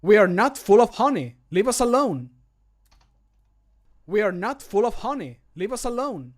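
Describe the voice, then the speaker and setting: A man's voice: high voice, very animated, moderate pace, voice pushed up. A man voicing a scared adventurer pleading in short theatrical lines for a game mod.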